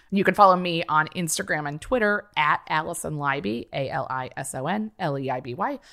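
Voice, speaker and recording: Her voice very deep and low yet bright and sharp, a woman talks at a fairly quick pace with lively intonation and hardly any pauses. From US Mid-Atlantic. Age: 30s. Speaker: comedian. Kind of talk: casual chat. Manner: talkative.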